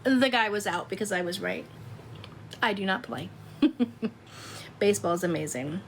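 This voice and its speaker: A woman in her fifties chatting casually with viewers on a livestream, loud and laughing often. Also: mid-range voice, expressive, moderate pace, slight background noise. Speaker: live streamer.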